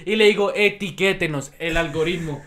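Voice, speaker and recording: A man's voice: high-pitched, normal speed, a crowd in the background. A young man with a Colombian accent, co-hosting a podcast, telling stories with lots of swearing and drama. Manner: animated storyteller, swears a lot. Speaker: podcast co-host. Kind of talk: casual chat.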